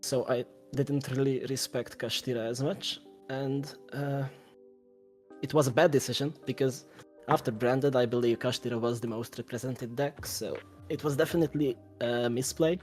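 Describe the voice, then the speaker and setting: Soft-spoken hesitant man, Hungarian native speaker. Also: mid-range voice, steady tone, normal speed, faint music behind. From Slovakia. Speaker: guest, tournament champion. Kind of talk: interview over a call.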